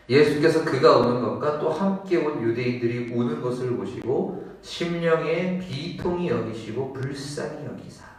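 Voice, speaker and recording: A male pastor preaching a sermon in a church, acting out the voices of people in the Bible story. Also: mid-range voice. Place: church sanctuary. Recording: echoey church hall, mic at a distance.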